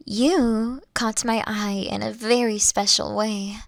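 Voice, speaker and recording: A woman playing a caring, affectionate boss in an intimate audio roleplay, coaxing and gently teasing, at times dropping to a near-whisper. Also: fairly high pitch, vocal fry, no echo, clean studio sound, full character voice. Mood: fond, patiently exasperated. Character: caring, doting older female boss courting her sweet employee.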